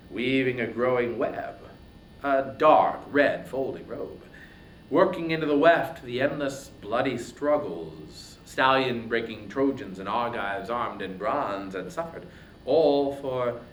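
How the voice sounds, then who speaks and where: A man giving a theatrical, declamatory narration of ancient epic poetry, with dramatic pauses and swells. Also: medium pitch, fairly bright tone. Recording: roomy echo, distant mic, faint noise.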